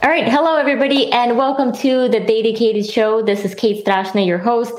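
A woman's voice: on the high side, steady tone, brisk, echoey room, slight background noise. A woman hosting a live show in a chatty, upbeat way, often laughing between lines. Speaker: host. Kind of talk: live show, casual chat.

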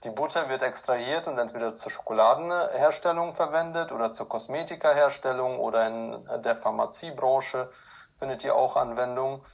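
A man born in Ukraine and raised in southern Germany talks as a podcast guest. He tells his stories relaxed and at an easy pace, with many filler sounds. His voice sits at an ordinary middle pitch. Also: moderate pace, gravelly. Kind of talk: conversational interview.

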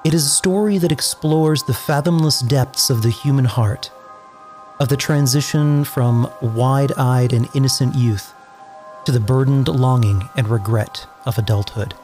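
A man's voice: medium pitch, a little slow, a little mellow, soft background music. An American man in his forties from New England, narrating a scripted introduction as showrunner in a theatrical, lyrical storytelling manner. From New England, United States.

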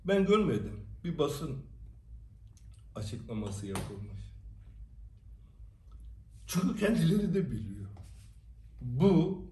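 High-pitched man speaking to his followers in an emphatic storytelling monologue full of rhetorical questions. He is recorded in an echoey room. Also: sing-song, slow, pauses often, warm tone, distant mic. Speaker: commentator addressing followers. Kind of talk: direct-to-camera monologue. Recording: echoey room, away from the mic.

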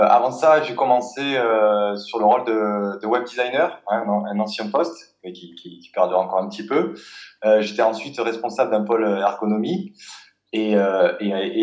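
Low-voiced man with a Provençal accent. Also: a little mellow. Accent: Provençal French. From Aix-Marseille area, France. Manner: halting, many fillers and restarts. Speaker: guest, interface designer. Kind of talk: casual interview talk. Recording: echoey room.

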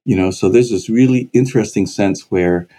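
A man, a pastor, speaking in a heartfelt, sober way with halting phrases in a conversation. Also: lowish voice, warm tone, breathy edge. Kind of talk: conversation on a podcast.

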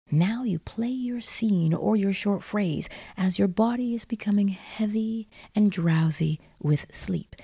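A woman narrates a guided sleep meditation like a sleep story, soft and breathy, often near a whisper, in measured instructions with lingering pauses. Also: on the low side. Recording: long reverberant echo.

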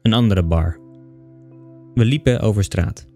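A man tells a bedtime story in a calm, even, dryly understated way. His voice sits low and mellow, unhurried and steady. Soft music plays faintly behind him. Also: vocal fry. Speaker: audiobook reader. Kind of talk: scripted narration of a bedtime story.

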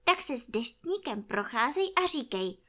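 A woman doing Pooh, a squeaky naive teddy bear. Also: very animated, pushed and bright, heavily acted. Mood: earnest. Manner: high, sing-song, earnestly silly. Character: naive, cheerful little honey-loving teddy bear. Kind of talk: storybook reading.

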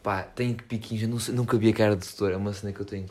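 Low-voiced young man, slangy. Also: fairly even intonation, rapid-fire, a crowd in the background. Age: young adult. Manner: slangy, informal. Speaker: podcast co-host. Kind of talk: casual chat.

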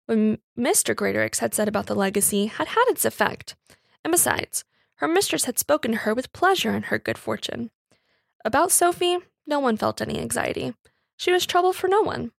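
Female audiobook-style reader for period fiction: expressive, fairly high voice, very dry recording. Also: creaky, dry recording. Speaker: story reader. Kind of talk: expressive literary narration of a Victorian tale.

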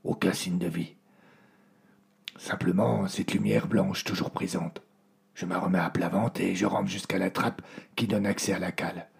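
A man narrating a story in a hushed, suspenseful way. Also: sits low, fairly even intonation, normal speed, creaky, breathy edge.

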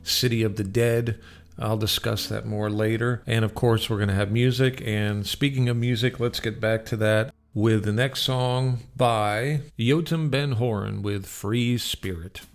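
A man's voice: fairly low pitch, steady tone, unhurried. A man speaks as a radio show host, laying out a rundown in an informal, unscripted way. His delivery is casual and loosely organized, like someone explaining things as he goes.

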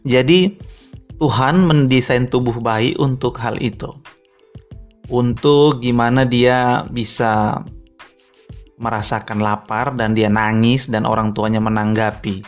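Guy preaching, slow thoughtful sermon, asks himself questions, faint music behind. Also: mid-range voice, steady tone. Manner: reflective, thinking aloud with fillers and rhetorical questions. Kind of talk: sermon-style teaching talk.

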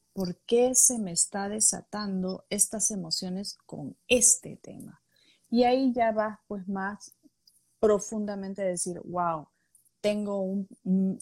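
A woman's voice: mid-range voice, vocal fry, a little mellow. A woman in a casual conversation, explaining her points through examples.

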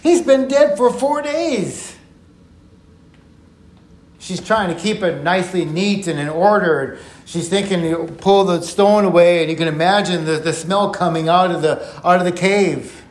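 A man teaching through a Bible passage on a podcast, telling it in an earnest, reflective way and slowing down for emphasis. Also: sits high, fairly even intonation. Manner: earnest, reflective storytelling with slow emphatic quotes. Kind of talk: podcast Bible study talk. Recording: echoey room.

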